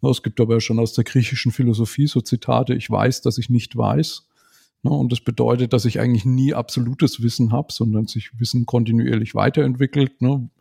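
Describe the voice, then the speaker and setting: A man in his forties, a podcast guest, talking in a thoughtful, measured way and often ending remarks with a questioning tag. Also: mid-range voice, fairly even intonation, gravelly, mellow, slightly rough. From Germany. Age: 40s. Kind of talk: casual conversational interview.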